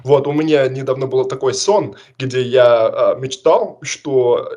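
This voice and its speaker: A man's voice: medium pitch, slow, a little mellow. A young man hosting a casual conversation, asking questions and steering the talk.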